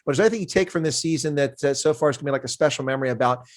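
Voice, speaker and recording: A man's voice: mid-range voice, very fast. A middle-aged man hosting a casual sports interview, asking long, rambling questions. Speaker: interview host.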